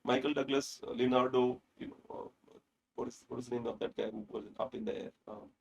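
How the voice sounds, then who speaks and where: Gravelly man hosting. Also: mid-range voice, fairly even intonation, a little fast, slight background noise, rough recording. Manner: earnest and emotional, searching for words. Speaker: podcast host. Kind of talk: casual interview conversation.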